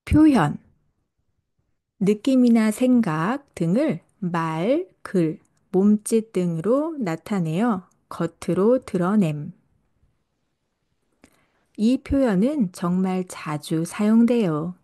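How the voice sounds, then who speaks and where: A woman reading a scripted podcast lesson for language learners, speaking slowly and carefully. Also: mid-range voice, lively intonation, mellow. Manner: slow, careful delivery for learners. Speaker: Korean language teacher and podcast host.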